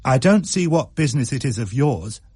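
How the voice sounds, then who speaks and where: A man's voice: mid-range voice, very animated, moderate pace, darkish tone, slightly rough, dry recording, studio quality. A man voicing a stern female schoolteacher who speaks curtly and dismissively. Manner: curt, dismissive.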